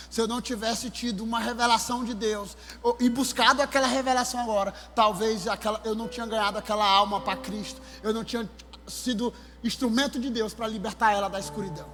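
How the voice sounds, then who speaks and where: A male pastor with a Maranhão accent, preaching a sermon with animated, exclamatory storytelling. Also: high-pitched, quick pace. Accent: Maranhão, Brazil. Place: church sanctuary. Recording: hall reverb with soft music.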